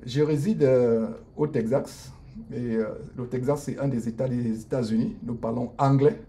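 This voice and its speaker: A middle-aged man, a lawyer and online minister, speaking on an improvised live stream from his office, hesitant with many drawn-out fillers and restarts, and earnest in a preachy way. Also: mid-range voice, fairly even intonation, mellow, slight background noise. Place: his law office at lunch break.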